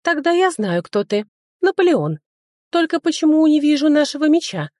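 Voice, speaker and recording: A woman voicing a very young, timid female dryad who squeaks and whines in a storybook reading. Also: sing-song, moderate pace, a little mellow, slightly rough, dry recording, studio quality. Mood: surprised. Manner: squeaky and lamenting, tearful.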